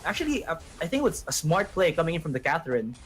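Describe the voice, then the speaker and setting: A man doing excitable play-by-play commentary on an esports match. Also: fairly high pitch, very fast. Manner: excitable, rising to shouts at big plays. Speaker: esports caster.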